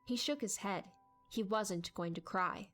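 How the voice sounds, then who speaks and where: A woman narrating a story as an expressive dramatic audiobook reading. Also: mid-range voice, a little slow, soft background music.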